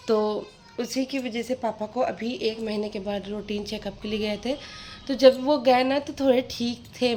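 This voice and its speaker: A woman's voice: medium pitch, darkish tone, slight background noise. A woman in her thirties talking casually to viewers in a home vlog, venting about family troubles in a chatty, talkative way. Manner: talkative, venting with frustration, addresses viewers directly. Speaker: vlogger and mother. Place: at home, sorting winter clothes.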